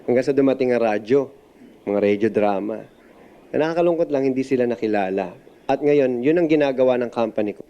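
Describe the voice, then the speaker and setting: A man with a Filipino accent speaks in an informal interview. His voice is very dark and mellow, at a middling pitch, on a slightly dull recording. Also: a little fast, clean tone. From Philippines. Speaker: voice talent and company owner.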